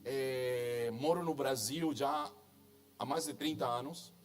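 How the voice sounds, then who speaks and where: A man's voice: mid-range voice, slow, soft background music. A middle-aged man from Chile with a strong Chilean Spanish accent, preaching to a church congregation in a chatty, self-joking manner that keeps asking "não é?" and "amém?". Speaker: guest preacher. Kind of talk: sermon at a church conference. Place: church stage before a congregation.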